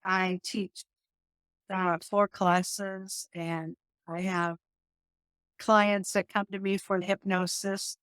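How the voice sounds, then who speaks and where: A middle-aged woman, a yoga teacher and hypnotist, talking animatedly in an interview, often laughing and restarting her sentences, with a calming voice. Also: mid-range voice, extremely slow, clean tone, dry recording, studio quality. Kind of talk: conversational interview.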